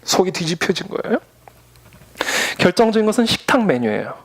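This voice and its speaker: Preaching his Sunday sermon, this pastor speaks fairly quickly in a high, sing-song voice. He leans on storytelling, performing the voices of the characters he describes.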